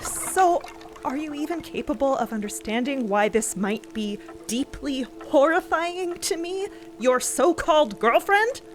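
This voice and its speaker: An expressive space explorer in an audio drama, her high voice swinging widely in pitch. She talks haltingly and slowly, with emotional, sarcastic bite. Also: soft background music. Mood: sarcastic, upset. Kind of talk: dramatic audio fiction acting.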